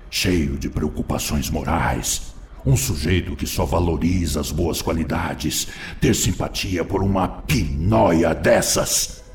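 An actor with a Brazilian accent playing a furious, vengeful male spirit in a radio drama, sneering and accusing with gravelly, drawn-out emphasis. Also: deep voice, a little hiss or hum. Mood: scornful.

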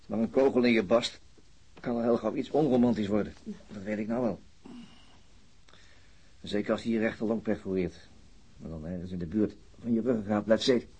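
A middle-aged wounded policeman in a radio drama, gloomy and wry. His low voice is very husky and full of gravelly creak. He speaks in a subdued, weary, hesitant way, with a sardonic edge. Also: expressive, a little fast, long pauses, darkish tone, full character voice. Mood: bitter, brooding. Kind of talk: naturalistic radio play acting.

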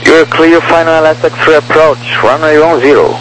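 A man working as an approach air traffic controller, giving formulaic clearances over aviation radio. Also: fairly high pitch, fairly even intonation, normal speed, fairly bright tone, low-quality recording.

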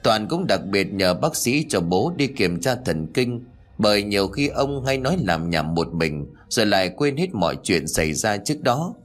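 A male storyteller reads a scripted tale in a lowish voice. His delivery is expressive and dramatic, with pitch that rises and falls a lot. Soft music plays faintly underneath. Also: moderate pace.

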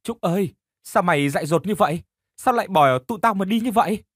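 A man's voice: high voice, animated, fairly quick, a bit bright, husky, no room sound, studio quality, voice pushed up, exaggerated voice. A man voicing a grieving teenage girl who speaks to a lost friend in a tearful, pleading way.

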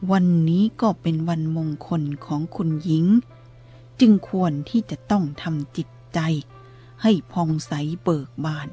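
A woman voicing a fifty-year-old male abbot who gently calms a lady. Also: fairly low pitch, breathy edge, muffled recording.

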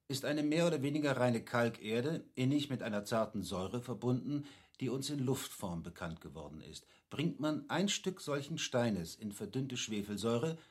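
Learned captain, husky and measured. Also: male voice, mid-range voice. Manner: measured, didactic, formal. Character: learned, courteous captain patiently explaining, a cultivated man. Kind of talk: classic German radio play acting.

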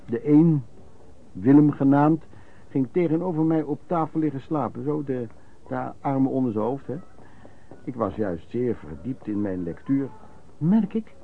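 An actor playing a rough, hard-drinking vagrant pedlar who reminisces in colloquial, old-fashioned, hesitant anecdotes in a Dutch radio play. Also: male voice, a little high. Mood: reminiscing, then agitated. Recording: dull, lo-fi radio play recording.

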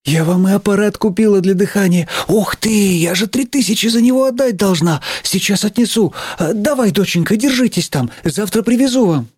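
Brief: excitable middle-aged schoolteacher woman, put on by a male reader, shrill and high, recorded dry. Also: normal speed, hardly any pauses, breathy edge, no room sound. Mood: fussing. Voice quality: raised shrill voice, scolding and fussing. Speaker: teacher. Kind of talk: audiobook character reading.

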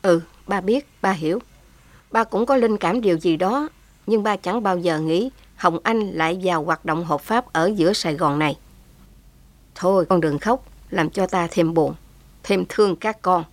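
A woman voicing an elderly imprisoned father who speaks in a gentle, steady, fatherly way. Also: on the low side, normal speed, dry recording, natural voice.

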